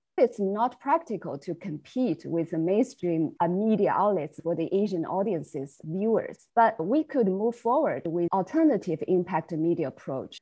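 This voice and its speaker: A woman with a Chinese accent talks at a moderate pace and a medium pitch, her voice swinging very widely up and down. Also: hardly any pauses. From China. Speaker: nonprofit communications manager. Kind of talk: interview answers.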